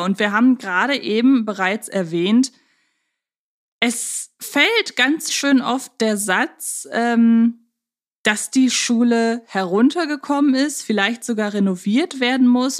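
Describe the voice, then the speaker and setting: A woman co-hosting a podcast in a casual conversational style, talking in a measured, reflective way as she thinks her points through. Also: a little high. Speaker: podcast co-host.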